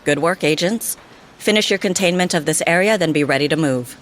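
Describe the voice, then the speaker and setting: An actress playing a stern senior female field agent in an audio drama, curt, deadpan and commanding. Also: on the low side, a little fast, a little hiss or hum, close to an everyday voice. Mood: stern, brisk.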